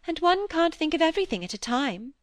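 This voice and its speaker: A woman's voice: extremely high pitch, sing-song, a little fast, no echo, pitched above the performer's own voice. A woman reading an audiobook, voicing a breezy, self-absorbed widow who chatters on in a lightly condescending way. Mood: chatty. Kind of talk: audiobook character voice.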